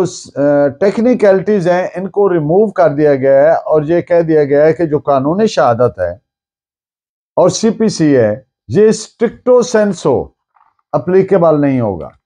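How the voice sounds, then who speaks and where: A Pakistani man giving a formal law lecture, speaking deliberately with pauses and mixing in English. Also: sits high, dark tone.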